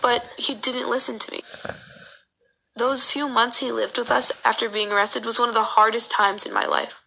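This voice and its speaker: A woman narrating a personal story as a voice-over, telling it in an earnest, steady way. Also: a little high, normal speed, creaky, rough recording.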